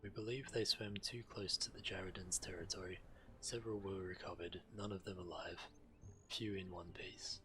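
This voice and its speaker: A man's voice: low voice, fairly even intonation, normal speed, pushed and bright, poor audio. A man reading solemn fantasy quest dialogue of tribal villagers aloud on a game stream. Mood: earnest.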